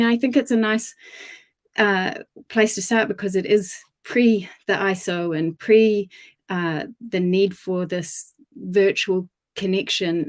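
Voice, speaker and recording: A woman speaks with a New Zealand accent. Her pitch is medium with ordinary variation. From New Zealand, far north. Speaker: poet. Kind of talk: live reading event talk. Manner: hesitant, many fillers.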